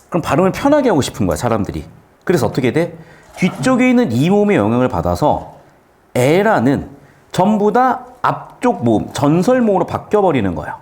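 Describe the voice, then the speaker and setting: Animated man teaching a grammar class. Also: mid-range voice. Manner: lively, questioning, answers his own questions; casual, switches between polite and blunt speech. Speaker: Korean grammar lecturer. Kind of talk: classroom lecture to students.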